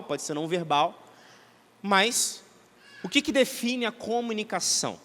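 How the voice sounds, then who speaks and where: High-voiced Brazilian man teaching in a hall. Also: fairly bright tone. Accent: Brazilian Portuguese. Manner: conversational and didactic, many tag questions. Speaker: church seminar speaker. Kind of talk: teaching talk to an audience. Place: church hall. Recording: reverberant hall.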